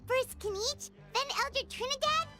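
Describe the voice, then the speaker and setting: A woman voicing a tiny, excitable, childlike fairy companion in a video game, with a squeaky, chirpy, curious delivery over music. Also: normal speed. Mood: relieved, wondering. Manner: refers to self in third person, exclamatory. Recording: loud game music behind.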